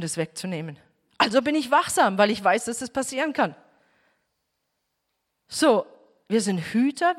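A woman's voice: a little high, in a large hall. A woman teaching a home bible group, speaking earnestly and addressing her listeners directly.

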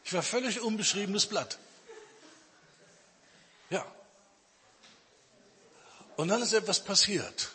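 A man preaching a sermon testimony, emphatic, stretching some phrases out slowly. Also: high-pitched, animated, sharp tone, slight background noise. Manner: emphatic, with slow drawn-out phrases. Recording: long hall reverb.

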